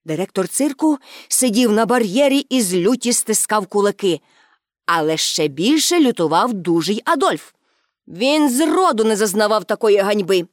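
A woman narrating a storybook in an expressive reading voice. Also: mid-range voice, moderate pace, no echo, clean studio sound.

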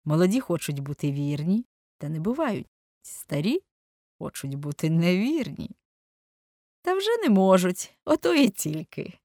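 A woman's voice: on the low side, very animated, a little slow, darkish tone, no echo, clean studio sound, full character voice. A woman voicing a languid, ironic English lord. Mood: ironic drawl. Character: languid witty aristocratic Englishman, middle-aged.

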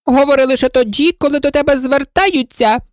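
A woman voicing the Red Queen, an imperious and impatient queen who scolds and commands, in a storybook reading with a high, loud voice. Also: very animated, moderate pace, dry recording, studio quality. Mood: scolding. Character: bossy, imperious older queen.

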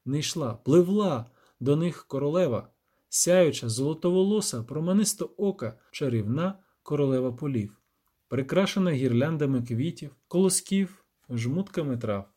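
A man narrating a fantasy audiobook in a dramatic, expressive reading. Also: on the high side, normal speed.

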